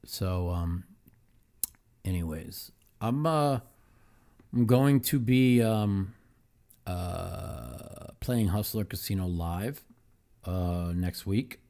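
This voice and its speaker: Low gravelly man, slow rambling talk. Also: warm tone. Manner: rambling, repeats words, many fillers. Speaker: podcast host. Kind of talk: casual monologue on football and poker.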